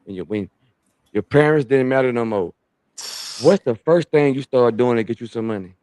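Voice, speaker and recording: A man's voice: medium pitch, normal speed, darkish tone, no room sound. A man hosting a podcast, laid-back and joking in street slang. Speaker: podcast host. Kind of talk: casual podcast chat.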